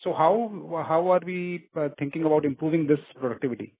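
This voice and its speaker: A phone-band recording of a man. He asks an analyst's questions on a conference call, halting and doubling back on words. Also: on the high side, no echo. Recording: narrow phone line.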